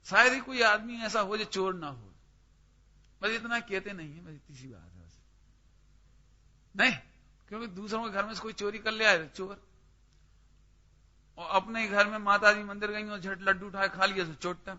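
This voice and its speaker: A man with a high voice leads a scripture study class. He questions his listeners by name and drives each point home with emphasis. His sharp, piercing tone comes through on a dull lo-fi recording. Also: moderate pace, pauses often. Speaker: religious teacher.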